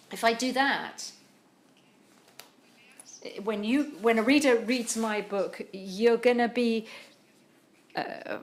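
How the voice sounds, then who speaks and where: Halting woman interpreting a talk. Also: a little high. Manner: halting, many pauses and restarts.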